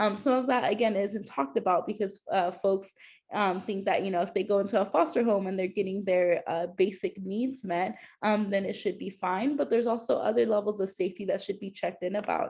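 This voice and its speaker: A woman speaks at a fairly quick pace with a Spanish accent. Her medium pitch shows ordinary variation against a quiet background. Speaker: youth advocate and former foster youth. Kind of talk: training presentation. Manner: halting, many fillers and repeats.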